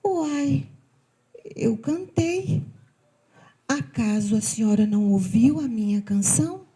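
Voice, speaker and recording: A woman's voice: on the high side, lively intonation, takes it slowly, breathy edge, heavily acted. A woman doing a meek, pleading cicada. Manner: gentle, pleading, soft-spoken. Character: meek, sweet female cicada singer, pleading.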